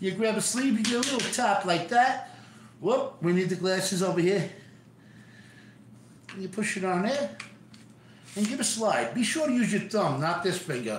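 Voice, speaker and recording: Light background noise and audible room echo surround a man with a high-pitched voice. He leaves long, frequent pauses. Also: moderate pace. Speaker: live streamer. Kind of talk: casual tutorial chat. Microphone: phone near.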